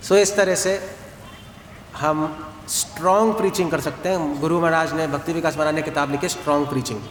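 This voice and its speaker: A monk speaks steadily to a gathering, explaining things patiently with stray English words. His fairly high voice rings out in an echoey outdoor space with a long reverb tail and a faint hum of surroundings behind it. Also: brisk. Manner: calm, explanatory, mixes English words into Hindi. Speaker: monk and spiritual teacher. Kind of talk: devotional talk to a gathering.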